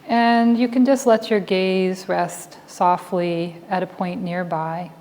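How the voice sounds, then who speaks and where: A woman leading a guided meditation as a teacher, speaking calmly and deliberately in short phrases with long pauses. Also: lowish voice. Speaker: meditation teacher and Buddhist chaplain. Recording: reverberant hall with faint background noise.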